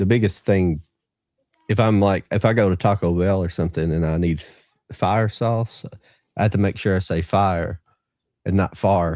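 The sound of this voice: A man with an Eastern Kentucky accent, very deep and low in pitch, dark and mellow in tone, at a moderate pace with long, frequent pauses, on a very clean recording with a silent background. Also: fairly even intonation. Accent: Eastern Kentucky, Southern Appalachian.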